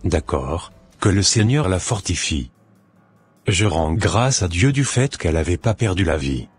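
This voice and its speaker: A man's voice: sits low, expressive, unhurried, slightly rough, exaggerated voice. A man voicing a solemn, devout Christian in a cartoon, speaking in a formal, pious way. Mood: relieved. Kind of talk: scripted amateur Christian cartoon dialogue. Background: faint music.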